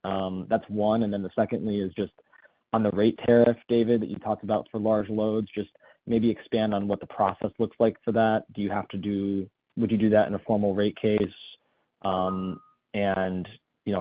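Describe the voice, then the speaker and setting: Low-pitched male analyst on a phone line. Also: little pitch movement, normal speed, no room sound. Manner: casual, polite. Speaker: financial analyst asking questions. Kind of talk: earnings call questioning. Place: phone call. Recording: dry, thin phone line.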